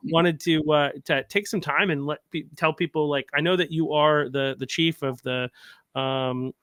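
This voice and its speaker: A man's voice: a little high, steady tone, normal speed, a bit bright, a little hiss or hum. A man hosting a casual podcast interview, talking in a rambling way with many fillers and restarts. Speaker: podcast host.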